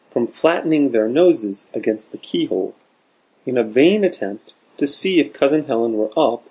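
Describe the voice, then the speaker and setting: Expressive husky male storyteller. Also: mid-range voice, rough recording. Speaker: audiobook narrator. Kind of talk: storybook narration.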